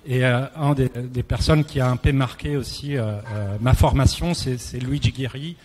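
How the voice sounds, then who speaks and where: A man's voice: mid-range voice, moderate pace, darkish tone. A man with an Italian accent, a native Italian speaker, giving a semi-prepared talk and often searching for words. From Italy. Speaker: round table speaker. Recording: echoey hall, clear background noise.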